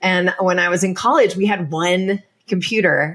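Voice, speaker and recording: A woman's voice amid noticeable background noise. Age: 50s. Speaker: personal branding expert and entrepreneur. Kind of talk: podcast interview.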